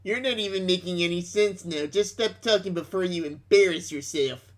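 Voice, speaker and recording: A man's voice: high voice, normal speed. A man reading social media posts aloud to friends, dramatising them with exasperation and swearing.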